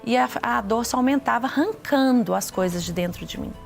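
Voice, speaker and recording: A middle-aged woman from Brazil giving an earnest personal testimony, talking haltingly and restarting often. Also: on the high side, expressive, gravelly, faint music behind.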